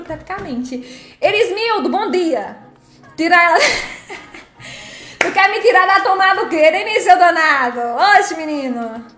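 A woman's voice: high voice, sharp tone. Woman, live-stream chat, playful and teasing, echoey room, faint music behind. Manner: chatty, playful, teasing viewers.

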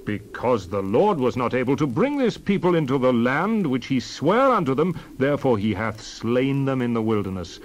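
A man's voice: mid-range voice, close to an everyday voice, low-quality recording. A man playing an earnest prophet-leader in a dramatized scripture reading, emphatic and oratorical. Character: Moses, earnest male leader pleading and exhorting.

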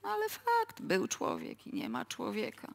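An actress playing a hard, weary, calculating widow in a radio play, with a husky, breathy voice. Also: female voice, very high-pitched, huge pitch swings, unhurried, heavily acted. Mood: weary, conspiring. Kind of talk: live radio play acting.

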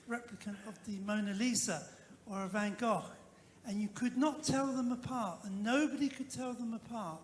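A woman academic making a measured, reflective comment from the audience at a conference. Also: fairly high pitch. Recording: echoey hall, long reverb, faint noise.

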